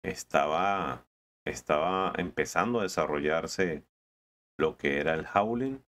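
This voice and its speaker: A man's voice: extremely low pitch, slow, fairly bright tone. A man, chatting casually while playing a truck game, often stumbling and repeating words. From Colombia. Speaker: gaming video host.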